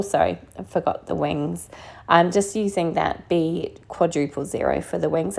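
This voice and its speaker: Croaky, low-pitched woman giving a craft tutorial. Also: a little mellow. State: croaky voice from being sick. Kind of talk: casual craft tutorial voice-over.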